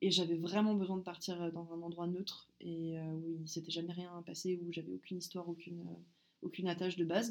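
This woman speaks in a fairly low pitch with a monotone, flat intonation. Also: fairly quick pace. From central France (Loir-et-Cher, Blois). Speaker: illustrator and roller derby player. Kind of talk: casual interview chat.

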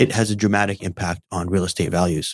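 This is an unremarkable speaking voice, with fairly even intonation at a moderate pace. It comes from a very clean recording with a silent background. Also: man. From Vancouver area, Canada (moved from Lebanon at 15). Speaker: real estate development executive. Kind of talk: interview conversation. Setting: studio.

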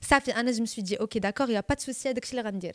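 In a very clean recording with a silent background and a dry, close sound, a woman speaks at a fairly high pitch with an Arabic accent. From Morocco. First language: Arabic (speaking French). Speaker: student recounting wrongful detention. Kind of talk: testimony.

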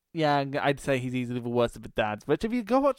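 Speaking at a fairly quick pace, a man uses an animated tone with very wide pitch swings. The recording is very clean, with a silent background. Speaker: wrestling podcast host. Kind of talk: casual review podcast. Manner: animated, frequent laughter.

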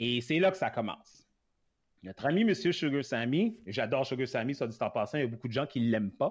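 A man talks at a fairly quick pace, his pitch swinging very widely, with a quiet background behind him. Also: medium pitch for a man. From Quebec. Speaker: podcast co-host. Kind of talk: casual chat. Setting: live stream.

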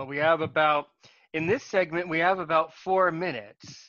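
An American accent marks this man's unremarkable speaking voice, delivered at a moderate pace with fairly even intonation. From USA. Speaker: podcast host. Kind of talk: interview chat. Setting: online video call.

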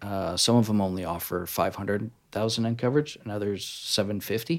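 A man with a Canadian accent speaks at a fairly quick pace in a fairly low pitch, using an ordinary speaking voice. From Vancouver, Canada. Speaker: financial advisor. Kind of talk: casual interview chat, explaining.

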